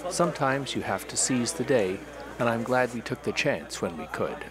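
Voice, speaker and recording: A man's voice: mid-range voice, expressive, moderate pace, a crowd in the background. A man hosting and narrating a sailing series in a scripted documentary style.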